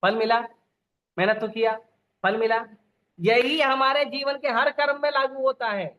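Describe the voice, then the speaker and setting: Pitched extremely high and in no hurry, a preacher delivers a Gita lecture on a lo-fi recording. He poses rhetorical questions to his audience and repeats lists of examples.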